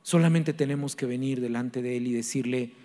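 A man's voice: mid-range voice, brisk. A man preaching a sermon as a pastor, earnest and pleading, repeating questions to his listeners. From Mexico. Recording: long reverb with soft music behind.

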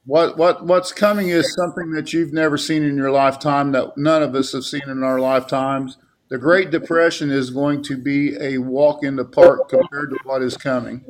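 A man's voice: medium pitch, steady tone, normal speed, rough recording. A man in his late fifties, a talk show guest, speaking bluntly and defending himself with emphasis. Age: 50s. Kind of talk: heated talk show argument.

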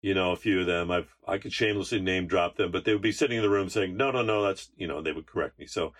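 A man co-hosting a podcast, talking in a loose, chatty way and introducing a guest. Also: fast. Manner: loose and chatty, rises high when excited. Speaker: podcast co-host. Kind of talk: casual podcast chat.

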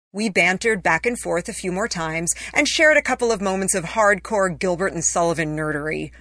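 Woman reading her own essay, kinda wry n chatty storytelling, medium pitch, really dry recording no room sound. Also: a bit bright, no room sound. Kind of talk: scripted narration of a personal essay.

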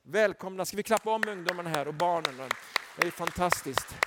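High-voiced fervent male preacher. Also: big-room sound, crowd noise, background noise. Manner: storytelling, rising to loud fervent exhortation. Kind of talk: sermon with personal stories.

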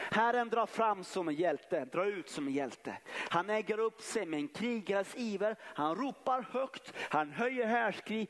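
A man preaching a fervent sermon, reading scripture with emphatic pauses. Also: sits high. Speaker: pastor. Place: church sanctuary. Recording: long church reverb.

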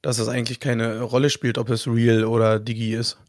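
Hoarse guy on a podcast, lots of ums, checks his notes, dry sound. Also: medium pitch, little pitch movement, brisk, dry recording. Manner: hesitant, many fillers, reads from notes. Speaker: podcast co-host. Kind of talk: casual podcast chat.

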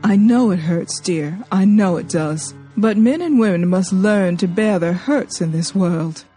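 A woman reader voicing a firm, steady older schoolteacher with plain common sense. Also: mid-range voice, a little slow, faint music behind, natural voice. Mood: firm comfort. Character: stern, calm older woman teacher.

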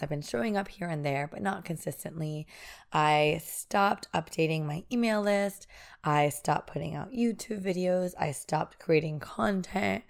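A young woman hosting a solo spiritual wellness podcast, her voice hoarse and raspy while she gets over a sinus infection, talking in an earnest, encouraging way. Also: lowish voice. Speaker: podcast host.

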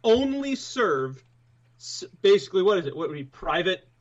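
A high-voiced man speaks through a remote online call whose audio keeps breaking up and dropping out. The sound is dull and lo-fi. He talks emphatically and tends to repeat words as he starts a point. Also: very animated, normal speed. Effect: internet call audio breaking up and cutting out. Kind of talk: casual political commentary.

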